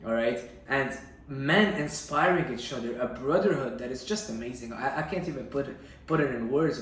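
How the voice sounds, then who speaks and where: A young man from Syria talks in an emphatic, conversational way, telling a personal story to viewers. His voice sits at a middling pitch. It is heard from some distance in a strongly echoing room, with faint noise behind it. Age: young adult. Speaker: bodybuilder telling his own life story.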